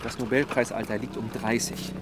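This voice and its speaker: An actor playing a brooding, self-important but playful young academic in a naturalistic radio play, with a pensive, slightly pompous manner. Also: male voice, medium pitch, little pitch movement, moderate pace, heavy background noise, lightly acted. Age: young adult. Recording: loud music behind the voice.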